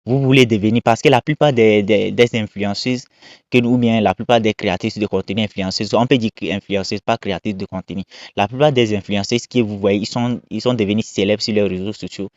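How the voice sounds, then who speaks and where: A man's voice: fairly low pitch, fairly even intonation, a little fast, no room sound. A man giving casual, emphatic commentary on viral videos, repeating his points and moralizing. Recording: dull lo-fi dry sound.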